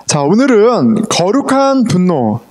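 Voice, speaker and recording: Middle-aged male pastor, lively sermon delivery, chatty with the congregation, drops in English words. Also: high-pitched, takes it slowly. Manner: conversational, asks the congregation questions, mixes in English words. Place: church sanctuary.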